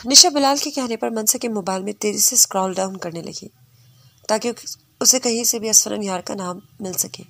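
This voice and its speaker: A woman narrating a romance novel in a soft, even, scripted storytelling voice. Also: mid-range voice, moderate pace, vocal fry, no echo. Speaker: audiobook narrator.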